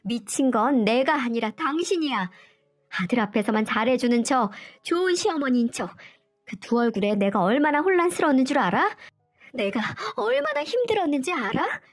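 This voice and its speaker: A fed-up young wife, played by a woman storyteller, shouting shrill and high through tears. Faint music runs beneath the audio story. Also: expressive, moderate pace. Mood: tearful.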